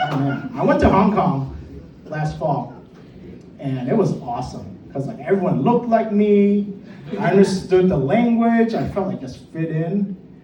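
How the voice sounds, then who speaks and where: A man with a high voice speaks at a moderate pace with lively intonation. Audible room echo and noticeable background noise are present. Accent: Cantonese. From USA. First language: Cantonese. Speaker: stand-up comedian. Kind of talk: stand-up.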